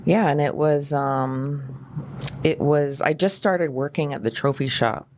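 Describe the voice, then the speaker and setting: A woman from Hawaii, a podcast guest, joins her sister in casual conversation, recalling things in short, quiet, supportive replies. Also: low-pitched, a little slow, a little hiss or hum.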